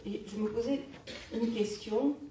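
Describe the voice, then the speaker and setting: A woman in the audience putting a careful, measured question to a panel. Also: a little high, dark tone. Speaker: audience member asking a question. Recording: roomy hall, distant mic, faint noise.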